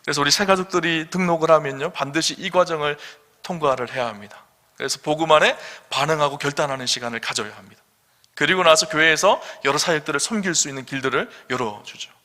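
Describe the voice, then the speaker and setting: Male pastor, sermon delivery, slightly high voice, emphatic questions to the pews, echoing sanctuary. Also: fast, pushed and bright. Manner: emphatic, asks the congregation questions. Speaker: senior pastor. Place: church sanctuary. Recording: long church hall reverb.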